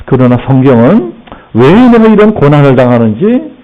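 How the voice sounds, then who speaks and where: A man's voice: moderate pace, narrow, tinny audio. A middle-aged man preaching a sermon as pastor, addressing the congregation directly and acting out rebukes in a raised voice. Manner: animated, voicing Jesus' rebukes with raised pitch.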